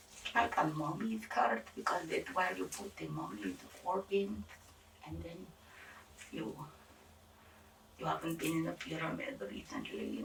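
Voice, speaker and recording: A woman playing an eccentric female doctor in an ASMR roleplay, halting and formal, breathy and often near a whisper. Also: low voice, far from the mic, a little hiss or hum, exaggerated voice, poor audio. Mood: probing, earnest. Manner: halting, hesitant, formal clinical phrasing with odd asides. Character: eccentric female doctor examining a patient for monster afflictions. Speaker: ASMR performer. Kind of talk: ASMR roleplay, intimate questioning.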